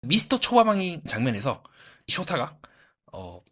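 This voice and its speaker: A man's voice: a little high, unhurried. A man giving an analytical commentary on a reality show, asking rhetorical questions and answering them himself. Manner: lively, acts out quoted voices. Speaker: YouTube psychoanalysis commentator.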